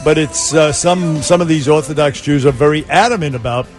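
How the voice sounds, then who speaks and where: A man's voice: fairly high pitch, a little fast, soft background music. A man co-hosting morning radio in casual banter.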